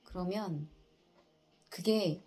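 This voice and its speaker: A middle-aged woman who works in insurance, telling a personal story in a soft, earnest and halting way, with many fillers. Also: on the low side, husky. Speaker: insurance agent.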